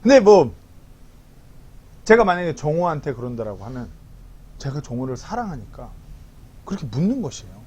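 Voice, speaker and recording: A man in his thirties preaching a sermon as pastor, acting out quotes in a lively way. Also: medium pitch, fast, husky. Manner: animated preaching with acted-out quotes. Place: church hall.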